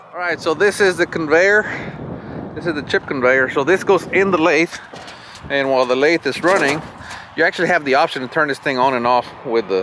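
Over noticeable background noise, a man talks at a fairly quick pace with ordinary pitch variation in a dry sound with no echo. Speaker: machine shop owner vlogger. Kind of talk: casual vlog chat. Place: open country. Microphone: phone near.

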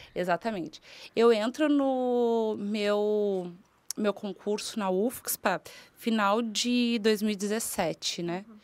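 In a Rio Grande do Sul accent, a woman speaks at a very slow pace and medium pitch, with ordinary pitch variation and big swings in loudness. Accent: southern Brazilian Portuguese (gaúcho). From southern Brazil. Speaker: university professor; podcast guest. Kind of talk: casual interview. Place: studio. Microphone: studio mic.

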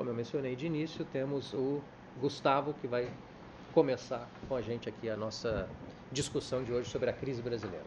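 Somewhat breathy, a man with medium pitch talks at a fairly quick pace with fairly even intonation and long, frequent pauses. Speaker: debate moderator, political science professor. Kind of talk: moderating an academic panel.

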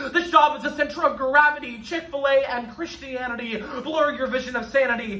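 A man speaks in a raised, projected voice at an extremely high pitch. His fairly quick delivery keeps a fairly even intonation amid audible room echo. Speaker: spoken word poet. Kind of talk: spoken word poetry performance. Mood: critical, sarcastic. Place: empty room. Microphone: camera far.

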